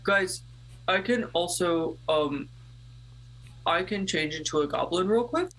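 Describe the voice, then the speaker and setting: Low-voiced woman at a game table. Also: lively intonation, unhurried, fairly bright tone, rough recording. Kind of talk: casual game-table chat.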